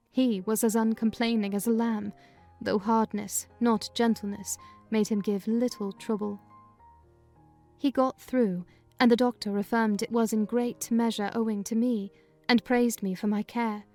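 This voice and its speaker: A woman giving a dramatized first-person reading of a classic novel in measured, clear storytelling. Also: on the high side, level tone, darkish tone, faint music behind. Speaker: reader of a novel.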